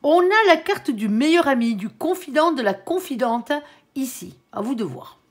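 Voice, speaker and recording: A woman gives a relaxed, chatty tarot reading, her voice sitting a little high. Her nose is stuffed up, so everything comes out nasal. She keeps dropping small fillers at the ends of her phrases. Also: moderate pace. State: stuffy nose, coming down with a cold. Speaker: tarot card reader. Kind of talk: casual tarot reading to camera.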